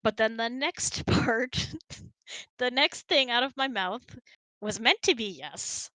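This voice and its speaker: A woman telling personal stories in a casual, expressive way, giggling easily as she hosts a hangout. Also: a little high, slow, dry recording, rough recording. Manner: giggly, expressive, animated storyteller. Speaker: host of an audio hangout. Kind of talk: casual storytelling chat.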